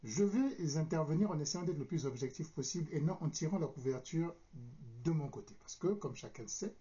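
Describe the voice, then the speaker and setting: A man from the Republic of the Congo with a Congolese accent, giving a formal, deliberate political commentary with hesitant pauses as he searches for words. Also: a little high, animated, mellow. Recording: dull, lo-fi sound.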